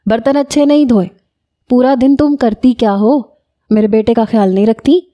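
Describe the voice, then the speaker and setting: A woman's voice: a little high, warm tone, no echo, close to an everyday voice. A woman voicing a mischievous young man who teases and mock-complains. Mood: playful.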